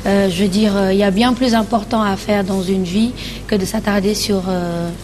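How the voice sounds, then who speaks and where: A woman's voice: medium pitch, fairly even intonation, moderate pace, a little mellow, a little hiss or hum. A young woman from Senegal, guest on a TV morning show, talking hesitantly with many fillers and switching between French and Wolof. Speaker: guest, author and TV presenter. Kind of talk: casual TV interview. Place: TV studio set.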